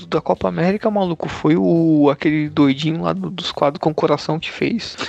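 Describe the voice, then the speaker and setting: A man at a fairly high pitch and moderate pace with hardly any pauses, over noticeable background noise. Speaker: podcast co-host. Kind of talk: casual chat. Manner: mumbling.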